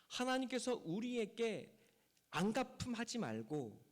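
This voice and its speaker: A man's voice: very high voice, very animated, unhurried, long reverb tail. A man preaching a Sunday sermon as the pastor of a church, with emphatic delivery. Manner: emphatic preaching, voice rising and falling sharply. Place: church sanctuary.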